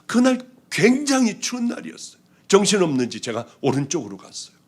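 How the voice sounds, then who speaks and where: 생생하게 들려주는 간증 설교 남자 목사. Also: male voice, sits high, huge pitch swings, fairly quick, husky. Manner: emotional storytelling, swinging from hushed to loud. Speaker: pastor. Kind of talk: testimony sermon.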